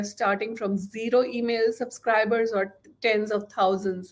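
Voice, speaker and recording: In a very clean recording with a silent background, a woman with a strong Indian accent talks at a fairly slow pace and a fairly high pitch. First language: non-native English speaker. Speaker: online business coach. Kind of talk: sales pitch.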